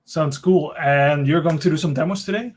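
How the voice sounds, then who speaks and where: A man's voice: fairly high pitch, normal speed, a little mellow. Man hosting a video call chat. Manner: friendly, brief prompting questions. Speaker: host. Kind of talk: casual livestream talk. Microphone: webcam on video call.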